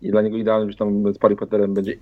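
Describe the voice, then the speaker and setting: A man's voice: lowish voice, completely flat delivery, very fast. A man co-hosting a casual talk show in an easygoing, agreeable way. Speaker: podcast co-host. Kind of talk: casual chat. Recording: dull lo-fi sound.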